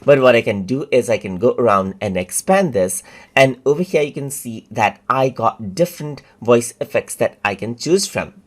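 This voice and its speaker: A man walking viewers step by step through a software tutorial, casual and repetitive, with fillers. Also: mid-range voice, expressive, moderate pace. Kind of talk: screen-recorded tutorial narration.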